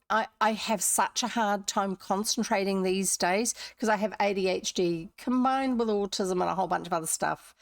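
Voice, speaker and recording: A woman with a New Zealand accent hosts a livestream where she reads old books aloud, chatting casually to viewers in a rambling way full of self-interrupting asides. Her voice is medium in pitch, and the recording is studio quality with no room sound.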